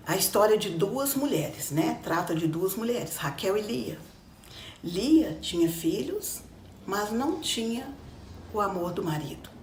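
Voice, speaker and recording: A woman from Brazil answers a Sabbath school lesson question, hesitating and restarting as she goes. Her pitch moves around a lot. She sounds far from the mic, with echo and faint noise behind her. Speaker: lesson participant.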